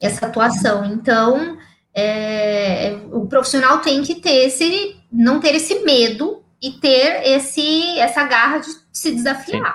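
Her pitch high and her intonation lively, a woman talks at a very slow pace. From interior of São Paulo state, Brazil. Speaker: psychologist. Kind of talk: casual interview on a livestream.

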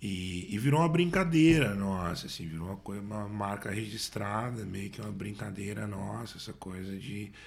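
A man's fairly low, somewhat breathy voice at a moderate pace, with ordinary pitch variation and audible room echo. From interior of São Paulo state, Brazil. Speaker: advertising agency CEO. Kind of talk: casual interview chat.

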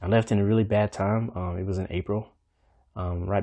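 Against a quiet background, a man with a very deep, low pitch and a dark, mellow tone speaks at a moderate pace with monotone, flat intonation. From Tennessee, Nashville. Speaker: podcast guest. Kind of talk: casual chat.

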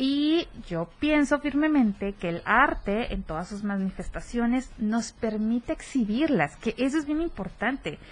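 The delivery is fairly slow, with very wide pitch swings and hardly any pauses. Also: woman, high pitch for a woman. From Tuxtla Gutiérrez, Chiapas, Mexico. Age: 30s. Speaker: visual artist and cultural promoter. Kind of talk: radio interview.

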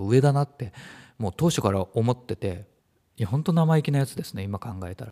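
Recorded dry and close with no echo, a man's dark, mellow voice moves through very wide pitch swings. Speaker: hairdresser and salon owner. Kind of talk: solo podcast monologue.

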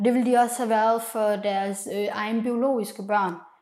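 A woman with a plain, everyday voice, fairly high in pitch, her intonation fairly even. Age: 20s. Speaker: adoptee sharing personal story. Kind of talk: personal testimony interview.

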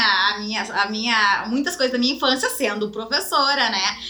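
A high-pitched woman speaking with hardly any pauses over music in the background. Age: 30s. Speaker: podcast co-host and teacher. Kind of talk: casual chat.

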